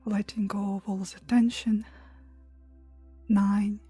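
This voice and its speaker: A woman leading a guided meditation in a soft, breathy, hushed and soothing voice, pausing between short phrases. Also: mid-range voice, little pitch movement, faint music behind. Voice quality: soft, breathy, near-whisper at times. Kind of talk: guided meditation, hypnotic relaxation countdown.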